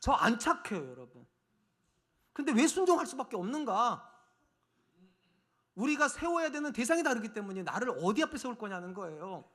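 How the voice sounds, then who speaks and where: A middle-aged man who is a senior pastor, preaching a sermon in a church. He swings between raised, urgent appeals and hushed, low asides to the congregation. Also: big pitch swings, moderate pace, long pauses. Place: church sanctuary.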